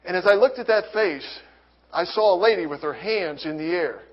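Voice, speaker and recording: Man with a high voice sharing a faith testimony, earnest, restarts often, reads scripture; dull lo-fi recording. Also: expressive, normal speed. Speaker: testimony speaker.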